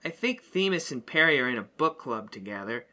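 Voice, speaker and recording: A woman's voice: very deep voice, sing-song, fairly quick, pushed and bright, dull audio, exaggerated voice. A woman playing an earnest, unsure young hero on a quest, with a questioning way of talking, in audio fiction. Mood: unsure, hopeful. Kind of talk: scripted audio fiction acting.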